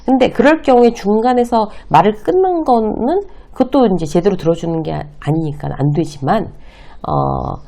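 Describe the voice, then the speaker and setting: A middle-aged woman with a warm, medium-pitched voice lectures to camera on workplace communication. She explains things point by point and acts out short example lines.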